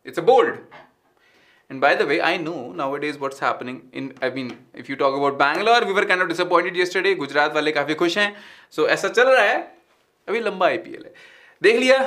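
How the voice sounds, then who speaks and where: A man's voice: fairly high pitch, very fast. A man in his thirties with an Indian English accent, teaching a live online science class in a studio and mixing Hindi with English as he quizzes students. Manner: mixes Hindi and English, asks students questions; animated, gestures while talking. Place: studio with green screen.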